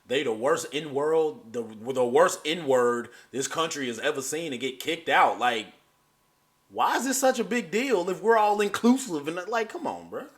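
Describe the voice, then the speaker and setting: A man hosting a reaction video, talking in a loose, animated way and laughing through his points. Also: on the high side, measured pace. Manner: animated, keeps saying "you know what I'm saying". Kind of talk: casual chat.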